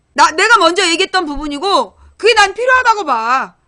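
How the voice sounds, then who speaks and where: With a bright, sharp tone, a woman's raised, projected voice sits at an extremely high pitch and moves in very wide pitch swings. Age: 40s. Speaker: political commentator. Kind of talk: political commentary monologue. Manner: casual, conversational.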